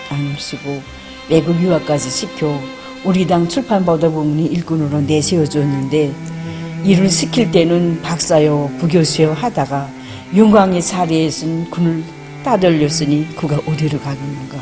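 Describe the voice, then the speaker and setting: A woman with a North Korean accent giving solemn personal testimony. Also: low-pitched. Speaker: interviewee recounting her father's story.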